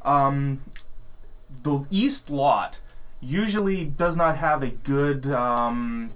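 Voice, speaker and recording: A man's voice: medium pitch, extremely slow. A man telling a long work story in a casual chat among coworkers, rambling with many ums and restarts. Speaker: podcast co-host, security guard. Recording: tinny phone-like sound.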